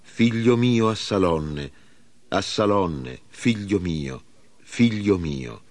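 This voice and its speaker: A man's voice: deep voice, lively intonation. A man reading as a grieving old king. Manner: solemn, measured reading. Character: grieving old king, a father mourning his son.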